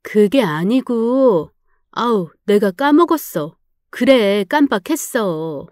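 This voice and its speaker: A woman's voice: on the high side, lively intonation, unhurried, darkish tone, no echo, studio quality. A woman voicing a guilty young wife who makes excuses and apologizes. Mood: defensive. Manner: defensive, apologetic, pleading.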